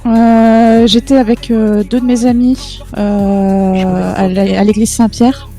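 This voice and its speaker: Woman as a soft-toned, hesitant victim testifying. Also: on the high side, steady tone, soft background music. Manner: halting, careful. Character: hesitant female kidnapping victim testifying in court. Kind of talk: improvised online game roleplay.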